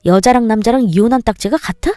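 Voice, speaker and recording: A woman's voice: fairly high pitch, quick pace, mellow, no echo, studio quality, faint music behind, close to an everyday voice. A woman voicing an angry young husband who scolds his wife with indignant scorn. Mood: scornful.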